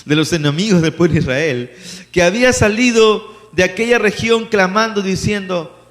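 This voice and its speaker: Male pastor, fairly high voice, preaching in a hall with long reverb and mains hum. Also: moderate pace. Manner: animated preaching, acting out voices of biblical characters. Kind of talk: sermon. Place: church hall.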